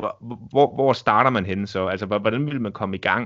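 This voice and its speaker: The speaker is a man with an ordinary speaking voice. He uses a medium pitch and ordinary pitch variation. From West Jutland, Denmark. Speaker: podcast host and entrepreneur. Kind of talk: casual interview; scripted intro and outro. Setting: studio.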